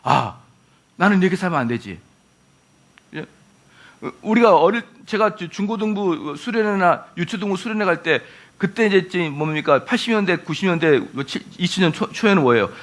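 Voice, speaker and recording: A middle-aged man preaches in a church with a high, bright voice. His pitch swings widely as he acts out quoted exchanges between speakers. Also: expressive, fairly quick. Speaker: pastor. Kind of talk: sermon.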